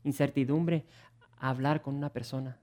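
A man preaching a sermon in an earnest, animated way, repeating words and restarting phrases as he asks his listeners rhetorical questions. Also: mid-range voice, moderate pace. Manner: earnest and animated, with frequent word repetitions and restarts.

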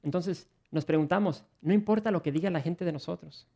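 A man preaching a sermon in an earnest, animated way, repeating words and restarting phrases as he asks his listeners rhetorical questions. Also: fairly high pitch, brisk. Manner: earnest and animated, with frequent word repetitions and restarts.

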